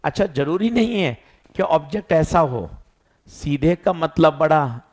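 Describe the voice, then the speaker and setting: Lively physics teacher man. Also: on the high side, unhurried. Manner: lively, quizzing students and answering himself. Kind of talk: classroom lecture.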